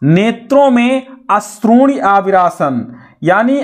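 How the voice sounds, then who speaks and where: A man's pitch swings very widely as he talks. Noticeable background noise sits under the speech. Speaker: Sanskrit teacher. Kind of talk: lecture.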